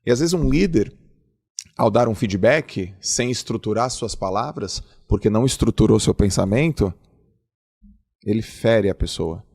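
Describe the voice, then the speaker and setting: A middle-aged podcast host with a gravelly, slightly husky voice. He talks in a casual but emphatic, animated way, pressing his points home. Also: on the low side, a little slow. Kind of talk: casual conversation.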